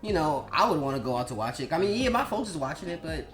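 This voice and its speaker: A man's voice: fairly high pitch, very animated, fast, reverberant, music in the background. A young man from Pennsylvania in casual podcast chat, laid-back and offering his own hot takes. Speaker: podcast co-host.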